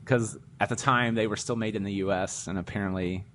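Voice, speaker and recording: A man's voice: lowish voice, fairly even intonation, a little fast, a bit bright, slight background noise. A man hosting a live podcast panel, chatting casually about a film and acting out its scenes. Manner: rambling, acts out scenes in voices. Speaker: podcast host. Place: live theater stage.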